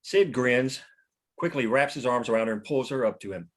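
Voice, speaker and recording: A man's voice: mid-range voice, moderate pace. A man reading scripted narration and scene directions at a table read. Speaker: stage-direction reader.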